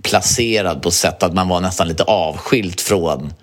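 A man co-hosting a podcast in casual chat, reacting with rambling restarts and laughs. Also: low voice. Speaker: podcast co-host.

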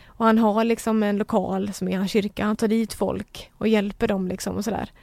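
A woman's voice: medium pitch, creaky, dry recording. A woman guest telling a personal story in casual chat, acting out the people she quotes. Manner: lively retelling, acts out quoted voices. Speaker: podcast guest.

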